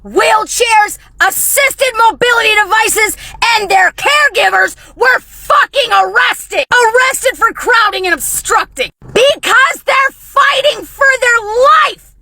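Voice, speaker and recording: A hoarse woman from the United States, a mother of a special needs child, shouting a furious profane rant to camera with her voice cracking near tears. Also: very high voice, takes it slowly, slight background noise. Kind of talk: angry political rant to camera.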